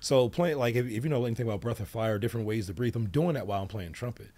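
A man's voice: medium pitch, very fast, warm tone. A man in his forties, a podcast guest talking frankly and with animation in casual chat. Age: 40s.

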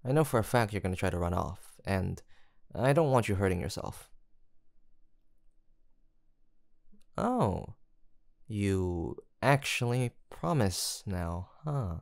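A man voicing a gentle, protective man who talks softly and teasingly to a frightened stray he has rescued, in a close audio roleplay. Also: fairly low pitch, expressive, measured pace, vocal fry, no room sound. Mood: reassuring. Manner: soft teasing, coaxing and reassuring.

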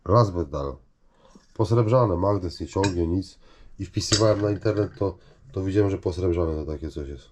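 A man giving casual, rambling vlog commentary, halting and repeating himself as he addresses viewers. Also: deep voice, a little mellow, slight background noise. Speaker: vlogger showing finds from discarded junk.

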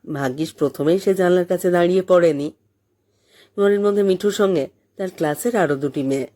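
Female audiobook storyteller, expressive scripted fiction narration with a soft-edged, mellow tone. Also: fairly low pitch, a little fast.

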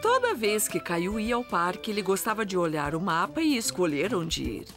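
A woman playing a warm storyteller, narrating a scripted children's cartoon with a Brazilian accent. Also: medium pitch, very animated, normal speed. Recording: loud music behind the voice.

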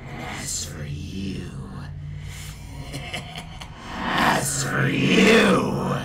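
A man's voice: deep voice, vocal fry, full character voice. A man voicing a sadistic, gloating male villain train engine in a fan audio drama, with sneering, whispered menace. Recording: loud music behind.

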